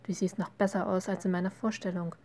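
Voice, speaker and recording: A woman's voice: lowish voice, level tone, fast talker, darkish tone, lightly acted. A woman reading the lines of a sneering, threatening middle-aged gang leader. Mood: menacing.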